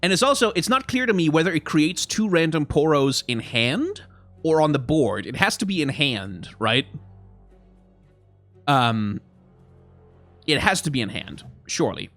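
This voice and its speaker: A young man, a little hoarse, chatting casually on a live stream, rambling and answering his chat as he reviews card art. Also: fairly high pitch, lively intonation, measured pace, pauses often, a bit bright, no echo, soft background music. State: slightly hoarse.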